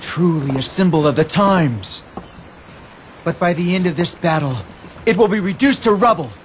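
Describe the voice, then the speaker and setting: An ambitious young commander in a game cutscene. His high voice declaims proudly, with faint ambience underneath. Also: animated, normal speed, slight background noise. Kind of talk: video game cutscene dub.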